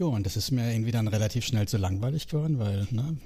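Somewhat breathy and dark, mellow in tone, this man's voice shows ordinary pitch variation. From southern Germany. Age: 40s. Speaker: investment blogger, IT worker. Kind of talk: casual chat.

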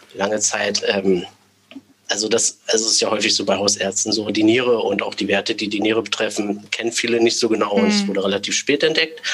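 Noticeable background noise sits behind a man's fairly low voice. He talks at a fairly quick pace with fairly even intonation. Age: 30s. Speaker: kidney transplant patient. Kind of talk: interview. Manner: halting.

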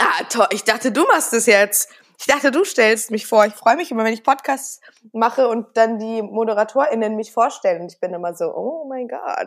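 At a moderate pace, the voice moves through big swings in loudness. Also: woman, fairly high pitch for a woman, ordinary pitch variation. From Berlin. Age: 20s. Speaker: film director. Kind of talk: casual interview. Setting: remote recording. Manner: gets loud when passionate.

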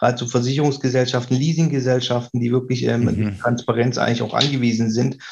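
This man has a medium pitch. His intonation is monotone and flat. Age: 30s. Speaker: startup founder. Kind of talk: interview.

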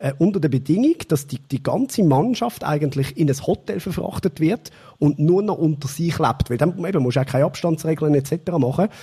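A man speaks at a fairly quick pace, his pitch fairly high. The tone is dark and mellow, somewhat breathy, with ordinary pitch variation. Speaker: podcast host and comedian. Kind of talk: casual interview. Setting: Skype call.

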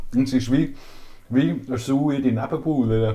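A man's somewhat breathy, dark and mellow voice at medium pitch and a moderate pace. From Switzerland, Zurich area. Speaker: city councillor and club DJ. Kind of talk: casual interview.

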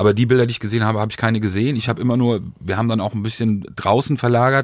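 A man speaks at a very fast pace with a medium pitch on a very clean recording with a silent background. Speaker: podcast host, former music journalist. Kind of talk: casual chat.

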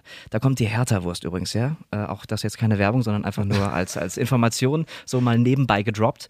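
A man with a normal speaking voice, medium pitch and ordinary pitch variation, in a very clean recording with a silent background. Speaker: voice actor and actor. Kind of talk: casual interview.

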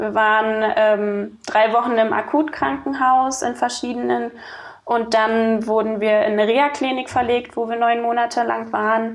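A woman speaks in a plain, everyday voice at a moderate pace, her pitch fairly high and her intonation fairly even. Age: 20s. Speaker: wheelchair user, young mother. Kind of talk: interview. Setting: at home, living room.

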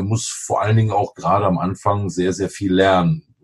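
There is noticeable background noise. Over it, a man with a fairly low pitch talks at a moderate pace. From Lower Rhine, Germany. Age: 40s. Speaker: roofing trade association president. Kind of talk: interview. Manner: hesitant, many fillers.

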